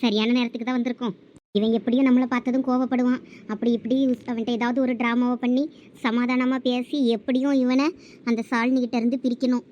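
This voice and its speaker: A woman playing a scheming, spiteful ex-lover in a village drama, with a low calculating tone. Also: level tone, fast, darkish tone, dull audio, slight background noise, lightly acted. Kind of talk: village web-series acting.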